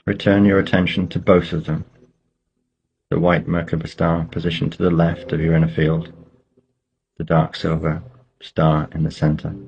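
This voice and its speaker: A man leading a guided meditation, giving slow, measured instructions with pauses between phrases. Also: low voice, flat delivery, creaky, darkish tone, highs cut off.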